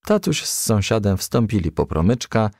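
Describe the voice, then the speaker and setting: Lively male storyteller reading a children's tale. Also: on the low side, normal speed, no echo, clean studio sound. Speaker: narrator. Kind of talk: scripted storybook narration.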